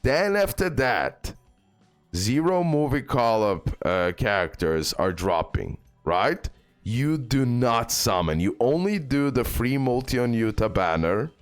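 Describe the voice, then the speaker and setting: A man's voice: mid-range voice, very animated, slow. A man giving casual gaming advice in an emphatic, repetitive way, often checking in with a short questioning tag. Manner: emphatic, repetitive, ends points with "okay?". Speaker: game video creator. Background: music.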